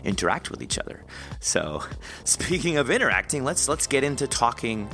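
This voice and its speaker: A man's voice: medium pitch, big pitch swings, moderate pace, pushed and bright. A man hosting a podcast interview in casual chat, friendly and rambling with frequent laughs. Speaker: podcast host.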